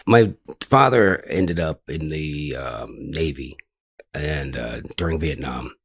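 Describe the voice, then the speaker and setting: This is an older man from the United States who chats in a meandering, unpolished way, full of "uh" and "you know". His voice sits extremely low with a gravelly, breathy rasp. The sound is dry and close, with no room around it. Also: lively intonation, slow, no room sound. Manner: rambling, loose, peppered with fillers and swearing. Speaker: podcast guest. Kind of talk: casual interview storytelling.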